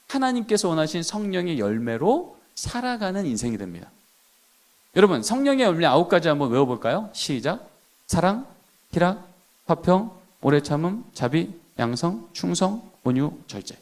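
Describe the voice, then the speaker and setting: A man's voice: high voice, sing-song, moderate pace. A man giving a church seminar for teachers and parents, asking the audience questions and answering them himself. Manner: acts out quoted lines of children and adults. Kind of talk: lively lecture with questions to the audience.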